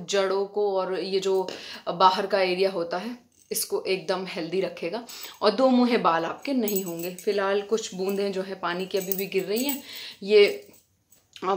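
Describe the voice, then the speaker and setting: A woman from India giving a casual, chatty hair-care tutorial at home, talking straight to her viewers as friends. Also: mid-range voice. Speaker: beauty vlogger. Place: indoors at home, fan switched off.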